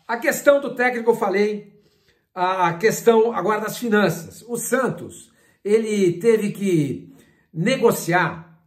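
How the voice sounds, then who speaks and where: An older man, commenting on football in a casual, animated way and retelling his conversations. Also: high-pitched. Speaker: sports journalist and commentator. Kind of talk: casual talk-to-camera commentary.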